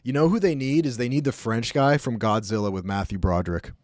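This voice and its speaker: A man's voice: mid-range voice, fairly quick, a little mellow, no room sound, studio quality. A man streaming live, chatting casually with viewers, joking and rambling as he reacts to the chat.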